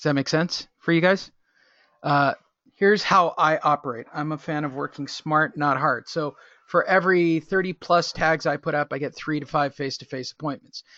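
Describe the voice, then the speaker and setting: It is a plain, everyday voice, belonging to a man with fairly high pitch. He keeps a moderate pace and fairly even intonation. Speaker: real estate agent and coach. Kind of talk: webinar training. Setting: conference call with screen sharing.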